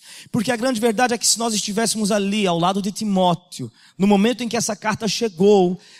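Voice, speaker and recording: Pitch moves in an ordinary way, and the sound is dry and close with no echo. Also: man. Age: 30s. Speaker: pastor. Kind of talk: sermon. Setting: church.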